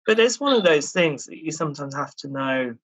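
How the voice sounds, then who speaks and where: A man speaking as an interview guest, reflective and measured, filling pauses with "you know" and "um". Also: fairly high pitch, animated, fairly bright tone. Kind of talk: casual conversational interview.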